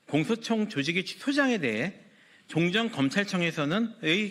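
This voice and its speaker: A man's voice has a bright, sharp tone and very wide pitch swings. The recording is very clean, with a silent background. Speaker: advisory committee member. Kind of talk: press conference statement. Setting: press room at the National Assembly.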